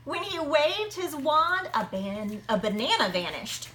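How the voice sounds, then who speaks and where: A woman reading a children's picture book aloud, expressively, with dramatic pauses and emphasis. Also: sits high, fairly bright tone, reverberant. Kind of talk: animated children's read-aloud.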